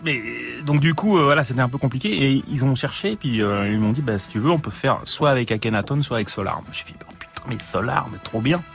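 A man in his fifties, a musician guest in a radio studio, chatting in a relaxed, colloquial way with many restarts. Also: medium pitch, fast talker, soft background music. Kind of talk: casual interview chat.

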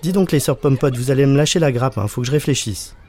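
A man's voice: medium pitch, quick pace, a little mellow, close to an everyday voice. A man voicing a sulky little boy faking English. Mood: bossy. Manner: fake broken English, sulky and bossy. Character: stubborn little boy ashamed of his name.

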